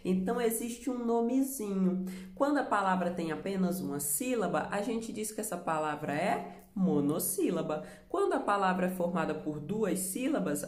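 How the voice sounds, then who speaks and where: A woman's voice: fairly low pitch, a little mellow, roomy sound. A Brazilian woman teaching a remote lesson for children, patient, explaining step by step and asking the class questions. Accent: Brazilian Portuguese.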